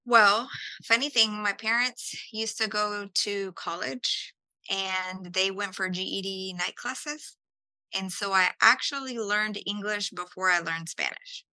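Woman, podcast guest, very bright tense voice, chatty with restarts, dry close recording. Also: medium pitch, unhurried, dry recording, low-quality recording. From El Salvador, raised in Houston. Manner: chatty, restarts words, casual fillers. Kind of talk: conversational interview answers.

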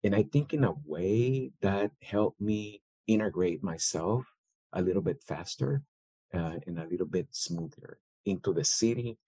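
Low-voiced man, dry close mic. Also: unhurried, dark tone, no echo, poor audio. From El Salvador. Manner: thoughtful, with many fillers and restarts. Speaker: guest, business owner. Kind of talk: interview answers.

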